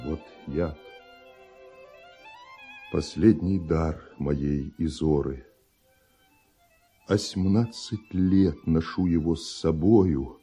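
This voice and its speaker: A very dark, husky male voice plays a grim, envious composer in a classic radio tragedy. He declaims verse slowly and solemnly, with weighty pauses, over soft music. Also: low-pitched, full character voice. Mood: dark resolve. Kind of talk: theatrical verse monologue, classic Russian radio play.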